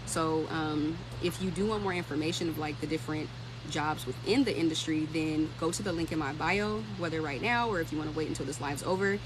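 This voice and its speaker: A woman's voice: sits low, brisk, noisy background. A thirty-year-old woman hosting a casual livestream, talking informally and thinking aloud as she answers comments. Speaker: livestream host and tech career content creator.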